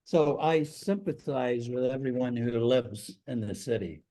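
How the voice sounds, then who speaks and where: A man's voice: medium pitch, a little slow, dark tone, poor audio. An older man from Scotland with a Scottish accent, giving a speech to a club meeting with dry, wry humour. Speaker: district governor, guest speaker.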